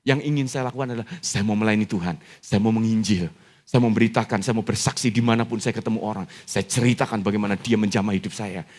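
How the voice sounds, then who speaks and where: A middle-aged man from Indonesia preaching a sermon as pastor, telling his own story in a conversational way, dropping to low murmurs and then rising to high, shouted climaxes. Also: fast. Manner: personal testimony told in a conversational tone.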